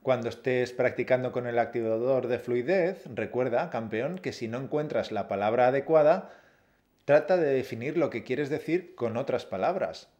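A man co-hosting a Spanish-learning podcast, explaining steps in a steady, encouraging way. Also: mid-range voice, normal speed, muffled recording. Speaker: Spanish teacher, podcast co-host. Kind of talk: scripted lesson.

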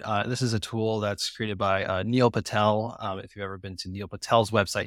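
A man's voice: on the low side, a bit bright, no room sound, clean studio sound. A man as a podcast guest, casually explaining a marketing tool with many fillers.

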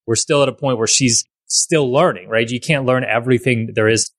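A man's voice: medium pitch, a little fast, a bit bright, no echo, studio quality. A man hosting a podcast in casual conversation, rambling with frequent restarts and repeated words. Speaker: podcast host.

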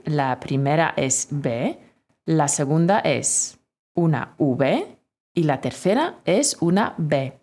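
Slow, lively-voiced woman teacher dictating. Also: deep voice. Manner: clear, deliberate dictation. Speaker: Spanish teacher. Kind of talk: spelling dictation lesson.

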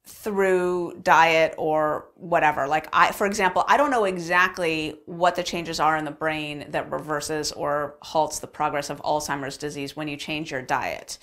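A woman's voice: fairly low pitch, fairly bright tone. A woman hosting a vlog, chatting and explaining casually with many ums, recorded with echo from an unfinished basement room with cinder block walls. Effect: echo from a bare room. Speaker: vlog host.

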